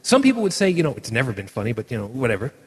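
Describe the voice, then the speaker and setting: Guy hosting a podcast, kinda husky, roomy echo, acts out quotes as he talks. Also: medium pitch, very fast. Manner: animated, acts out quoted lines in shifted voices. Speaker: podcast host. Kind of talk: casual conversational chat.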